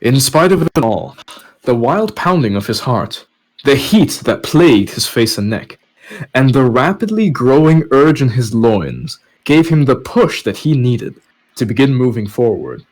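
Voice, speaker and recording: Male podcast narrator for web fiction, mid-pitched with lively, swinging intonation. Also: measured pace, poor audio. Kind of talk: story narration with casual asides.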